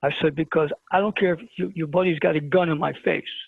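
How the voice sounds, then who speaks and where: Brooklyn-accented man, high gravelly voice, husky, phoning in to tell his story; call-in guest. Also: fast, no echo. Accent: New York (Brooklyn). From Brooklyn, New York. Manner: animated storyteller who acts out dialogue. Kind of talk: telling a personal story on a talk show. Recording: tinny phone-line call-in.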